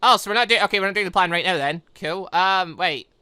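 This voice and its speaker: A man giving casual, excitable, rambling commentary on a game, thinking aloud as he goes. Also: high-pitched, quick pace, clean tone, no echo. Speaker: gaming channel host. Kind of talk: casual gameplay commentary, reading visual novel dialogue aloud.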